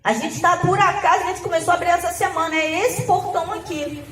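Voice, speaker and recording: A woman pastor giving a conversational sermon, telling a story in an animated way and acting out the dialogue. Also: very high-pitched, fairly quick, a little hiss or hum. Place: church hall. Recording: echoey hall, voice from a distance.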